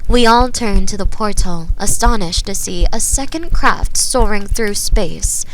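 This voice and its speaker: A woman narrates a dark science fiction tale in an expressive, measured way. Her voice sits at an average female pitch. The binaural recording carries some faint noise and small clicks. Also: rough recording. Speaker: storytelling ASMR performer. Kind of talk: dramatic audiobook-style narration of a sci-fi horror story. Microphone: binaural microphone.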